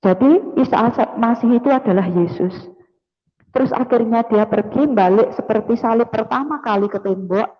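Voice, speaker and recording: A woman giving an animated church testimony, acting out sounds and often turning to her listeners. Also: fairly high pitch, normal speed. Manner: animated storytelling with sound effects, calls the audience "brothers and sisters". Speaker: testimony giver. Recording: echoey hall, dull lo-fi sound.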